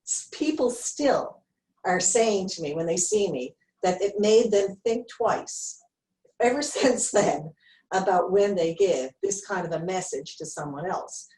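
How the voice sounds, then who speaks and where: A woman's voice: medium pitch, expressive, unhurried, dark tone. A woman in her sixties from Canada, telling a friendly story during a video-call town hall. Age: 60s. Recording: roomy, distant from the mic.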